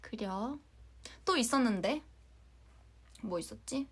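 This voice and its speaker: A woman's voice: on the high side, animated, slow, husky. Giggly young woman, light Jeolla accent. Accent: light Jeolla Korean. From Jeonju, Korea. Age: young adult. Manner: chatty, giggly, drifts into soft whispers. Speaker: idol livestream host. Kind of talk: casual livestream chat with fans.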